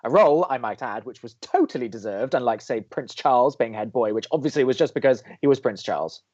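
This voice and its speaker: A man playing a cynical, grumpy young college radio co-host in an audio drama, with sardonic, deadpan, exasperated banter. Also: mid-range voice, a little fast, muffled recording, natural voice. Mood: wry, pompous. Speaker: actor in a romantic comedy podcast.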